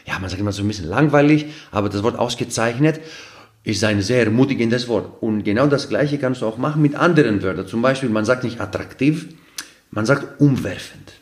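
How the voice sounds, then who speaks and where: This podcast guest is a non-native speaker, with a first language other than German, casually explaining concepts through ordinary examples. He's earnest but full of fillers and restarts, speaking briskly at a medium pitch.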